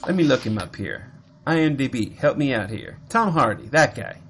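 Animated joking podcast host man. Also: mid-range voice, moderate pace, slight background noise. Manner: jokey, animated, teasing. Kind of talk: casual chat.

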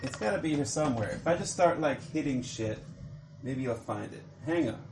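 A man hosting a podcast, chatting casually and teasing his co-host in a jokey, animated way. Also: medium pitch, fairly quick, background noise. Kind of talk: casual chat.

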